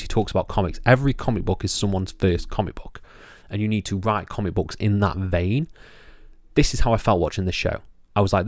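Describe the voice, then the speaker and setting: A man's voice: lowish voice, darkish tone, no room sound, clean studio sound. A young man from England with a Stoke-on-Trent accent, hosting a solo wrestling review and talking enthusiastically, doubling words for emphasis. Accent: Stoke-on-Trent English. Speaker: wrestling reviewer, channel host.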